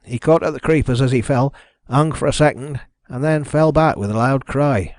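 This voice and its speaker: A man's voice: medium pitch, normal speed, darkish tone, no room sound, clean studio sound, close to an everyday voice. A man voicing a shaken village constable, giving an urgent, deferential report in an audiobook mystery. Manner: urgent, deferential, plain-spoken.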